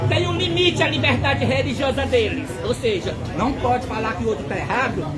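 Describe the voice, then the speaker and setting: Fiery high-voiced Brazilian preacher. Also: male voice. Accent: Brazilian Portuguese. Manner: impassioned, often shouting, repeats words for emphasis. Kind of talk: fiery end-times sermon. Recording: loud music and crowd noise behind.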